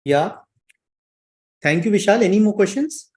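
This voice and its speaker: A man's voice: sits high, lively intonation, unhurried, a little mellow. A man moderating the question queue on a conference call in an informal way.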